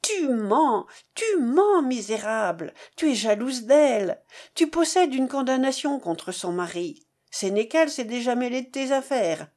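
A woman's voice: on the high side, expressive, unhurried, darkish tone. Woman reading as a furious young lover. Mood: indignant, accusing. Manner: indignant, cold and cutting. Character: angry young man accusing his mistress.

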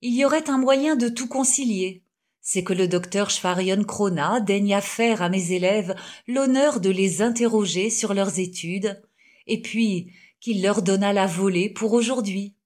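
A woman's voice: mid-range voice, measured pace, darkish tone, close to an everyday voice. A woman reading the lines of a shy, emotional middle-aged male schoolmaster in an audiobook, timid and hesitant. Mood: moved.

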